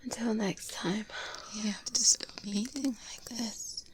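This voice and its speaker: A woman playing a courteous but quietly menacing vampire in a formal, hushed, whispered ASMR roleplay, close to the microphone. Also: a little high, steady tone. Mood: wry, courteous. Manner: formal, deliberate, hushed, measured diplomatic speech. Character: courteous, quietly menacing female vampire, protective, world-weary. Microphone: close-up binaural microphone. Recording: close binaural mic, clear background noise.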